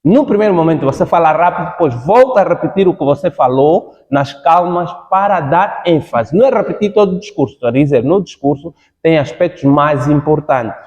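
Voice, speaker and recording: Brief: male speaking coach, slightly high voice, repeats key points, long hall reverb. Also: lively intonation, a little fast, hardly any pauses, darkish tone, lo-fi sound. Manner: repeats points for emphasis, checks in with "ok?". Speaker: public speaking coach giving feedback. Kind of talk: spoken critique in a class.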